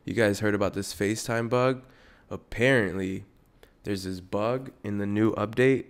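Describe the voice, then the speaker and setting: A man's voice: fairly low pitch, normal speed, clean tone. A young man hosting a comedy podcast on his own, rambling, swearing a lot and interrupting himself. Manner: profane, rambling, self-interrupting. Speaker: podcast host. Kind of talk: solo comedic podcast rant.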